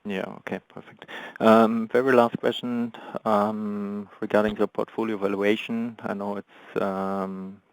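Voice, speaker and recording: A man's voice: fairly low pitch, level tone, a little slow, smooth, no echo, rough recording. A man calling in as a financial analyst, asking follow-up questions on a conference call.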